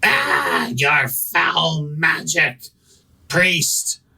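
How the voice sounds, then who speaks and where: This is a put-on character voice. It sits at a low-to-middle pitch and sounds raspy. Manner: scornful, hostile.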